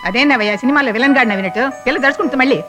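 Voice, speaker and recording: An actress playing a fiery, sharp-tongued old grandmother who scolds and mocks in rapid bursts. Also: sits high, music in the background, close to an everyday voice. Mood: anxious. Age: older. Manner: scolding, mocking, rapid-fire insults. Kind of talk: film comedy acting.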